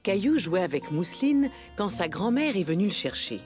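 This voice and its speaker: A woman narrating a scripted story for small children in a gentle storyteller's manner, with music behind. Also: medium pitch, big pitch swings, moderate pace, close to an everyday voice. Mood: gentle, storytelling.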